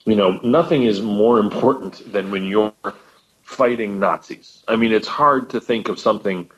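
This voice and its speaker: A man's voice: fairly low pitch, normal speed, fairly bright tone, muffled recording, a little hiss or hum. A man chatting on a podcast as guest co-host, talking with eager enthusiasm and often repeating words as he goes. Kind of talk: casual podcast conversation.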